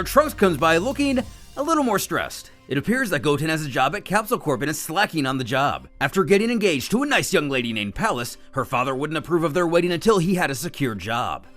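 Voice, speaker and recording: Animated male narrator, wry and dramatic. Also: on the high side. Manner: dramatic storyteller with wry, joking asides. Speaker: narrator of a fan manga recap video. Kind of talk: scripted story recap narration.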